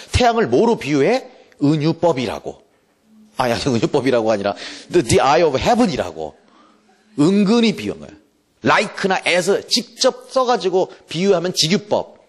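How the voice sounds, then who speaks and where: A man lecturing on English literature for exam prep, teasing his students with quick rhetorical questions and reading English verse slowly and deliberately. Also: on the high side. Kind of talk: classroom lecture.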